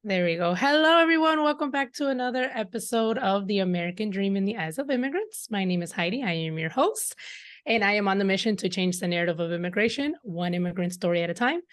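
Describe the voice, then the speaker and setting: A woman's voice: medium pitch, lively intonation, quick pace. A woman hosting a podcast, introducing and interviewing a guest in a conversational style. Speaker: podcast host.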